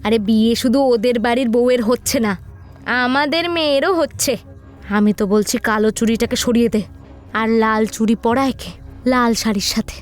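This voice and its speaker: একজন মহিলা অডিও ভূতের গল্পে কনের সন্দেহপ্রবণ জেঠিমার ভূমিকায় সোজাসাপটা, শাসনের সুরে কথা বলছেন।. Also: female voice, a little high, moderate pace, soft background music, natural voice. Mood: indignant. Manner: blunt, scolding, bossy. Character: outspoken, suspicious elder aunt of a village bride. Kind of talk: audio horror story dialogue.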